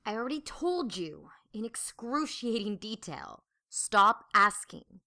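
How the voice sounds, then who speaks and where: A woman's voice: on the high side, big pitch swings, slow, sharp tone, full character voice. A woman playing an exasperated, sarcastic heroine who also narrates an audio drama, blunt in manner. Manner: sardonic, blunt. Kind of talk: audio drama acting with first-person narration.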